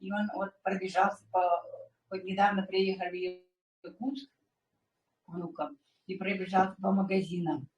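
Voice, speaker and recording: A woman's voice: mid-range voice, level tone, moderate pace, long pauses, a little mellow. A woman in her sixties giving a chatty personal testimonial at a meeting, dropping frequent filler words. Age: 60s. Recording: echoey room, distant mic.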